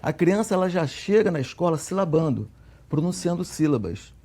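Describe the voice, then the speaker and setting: A Brazilian man with a Brazilian Portuguese accent, answering interview questions in a measured way and repeating his key points. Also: a little high, sing-song, dark tone. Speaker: guest, co-author of a literacy method.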